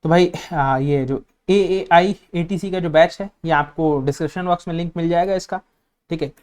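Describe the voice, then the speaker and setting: A man's voice: fairly high pitch, normal speed, darkish tone, smooth. A man from India teaching an online exam-prep lecture, explaining directly to students and running through lists of topics while repeating a filler phrase as he goes. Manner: lists topics, repeats "theek hai" constantly, mixes English terms.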